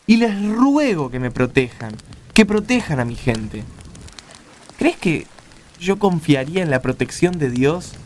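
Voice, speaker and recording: Man acting a high-voiced, blunt Argentine caravan leader. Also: darkish tone, slight background noise. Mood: troubled, earnest. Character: blunt, skeptical caravan-leader father, worldly and weary. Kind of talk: radio play acting.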